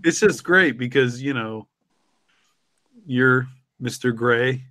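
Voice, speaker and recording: A man's voice: mid-range voice, takes it slowly, sharp tone, a little hiss or hum. A man in casual podcast chat, joking and teasing in his way of talking.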